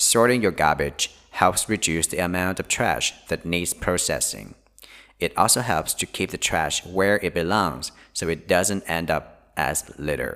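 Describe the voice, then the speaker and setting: Very deep and low, a man's voice has a bright, sharp tone with vocal fry, ordinary pitch variation, and a fairly slow pace in a very clean recording with a silent background. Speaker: English-learning podcast host. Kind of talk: reading aloud.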